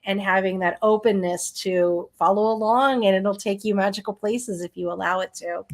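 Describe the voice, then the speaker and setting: A woman's voice: mid-range voice, steady tone, normal speed. A woman hosts a casual podcast interview in a mid-range voice. She affirms what her guest says and sprinkles in "you know" and "right?". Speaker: podcast host.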